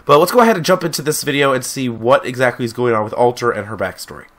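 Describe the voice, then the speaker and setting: A man's voice: mid-range voice, expressive, rapid-fire, fairly bright tone. A young man hosting a casual reaction video from a small home studio on a gaming headset, chatty and enthusiastic, getting over a cold. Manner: chatty, enthusiastic, uses lots of fillers. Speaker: YouTube reaction host.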